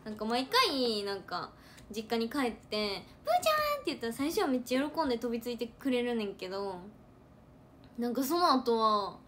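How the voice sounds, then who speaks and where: A young woman from Hyogo with a Kansai accent, chatting casually on a livestream into a phone, animated and repeating words for emphasis. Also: on the high side, normal speed, a little hiss or hum. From Hyogo, Japan. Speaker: idol trainee livestreamer. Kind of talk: casual livestream chat reading comments.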